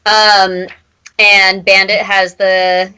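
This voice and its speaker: A woman playing a tabletop roleplaying game, speaking in a theatrical, halting way and repeating words as she slips between casual talk and character. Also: mid-range voice, little pitch movement, sharp tone, smooth.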